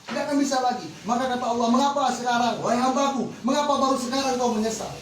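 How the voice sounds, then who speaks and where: Captured through a distant, echoey mic with faint noise, this Muslim sermon has a male preacher exhorting his audience with rhetorical questions. His pitch is extremely high, his delivery races, and his tone is fairly bright.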